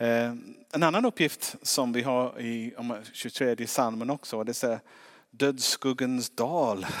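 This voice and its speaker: Very slow delivery from a man with a medium pitch and fairly even intonation, on a very clean recording with a silent background. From England. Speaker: preacher. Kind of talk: sermon.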